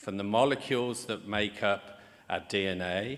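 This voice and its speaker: A man speaks at a moderate pace. He has a slight Birmingham accent. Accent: British, Birmingham, slight. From England, Birmingham. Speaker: department chair. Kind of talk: commencement speech. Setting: auditorium with audience.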